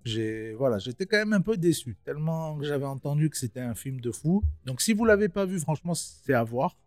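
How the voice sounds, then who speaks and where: A man's voice: fairly high pitch, big pitch swings, a little fast, a little mellow, dry recording, studio quality, soft background music. A young man giving a casual film review, slangy and chatty, talking straight to his viewers.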